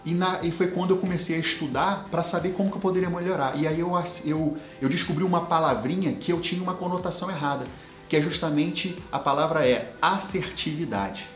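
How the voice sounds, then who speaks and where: A man's voice: on the high side, fairly quick. Male coach, thirties, storytelling motivational talk, echoey room, faint music underneath. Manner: personal storytelling with lively quoted dialogue. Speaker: business coach and consultant.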